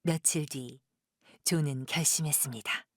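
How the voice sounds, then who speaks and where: A woman's voice: low-pitched, a little slow, breathy edge, no room sound, clean studio sound. A woman narrating an audio drama from a script as a storyteller.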